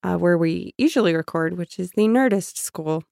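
A woman co-hosting a casual podcast, with a quiet, mumbly voice and teasing, deadpan jokes. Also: fairly low pitch, normal speed, creaky, no room sound, clean studio sound. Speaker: podcast co-host. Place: studio, not the usual one. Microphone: studio microphone.

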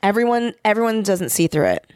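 A woman co-hosting a podcast, recapping a movie in blunt, animated casual chat. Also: mid-range voice, no room sound, studio quality. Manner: blunt, animated, quick to judge. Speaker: podcast co-host.

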